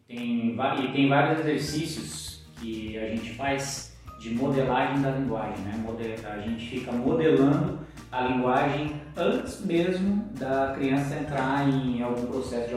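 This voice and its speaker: A man teaching tips on children's speech in a live Q&A stream, talking in a loose, explanatory way full of fillers and tag questions. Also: medium pitch. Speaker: co-host, teacher giving literacy tips. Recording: echoey room, far from mic, faint music.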